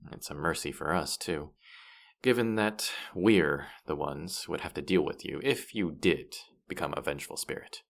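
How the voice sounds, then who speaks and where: Casting: man to play boastful, teasing male demon guide for fantasy audio drama; low, creaky voice, patronising air. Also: moderate pace. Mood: matter-of-fact, musing. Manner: condescending, playful, exasperated. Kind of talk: roleplay audio drama, addressing the listener.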